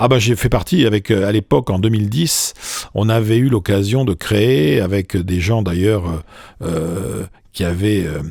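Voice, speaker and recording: A man speaks fairly slowly at a fairly low pitch, with ordinary pitch variation and a plain, everyday voice. The recording is very clean, with a silent background. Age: 60s. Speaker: professor. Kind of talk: podcast interview.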